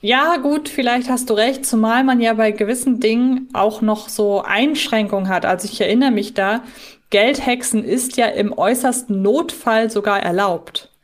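A woman's voice: a little high, normal speed. A woman hosting a podcast, talking casually and reflectively as she thinks aloud through the discussion. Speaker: podcast host.

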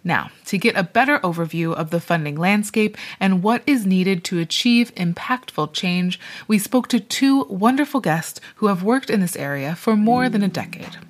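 A woman hosting a podcast, reading scripted narration in a measured, informative way. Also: mid-range voice, animated. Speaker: podcast host.

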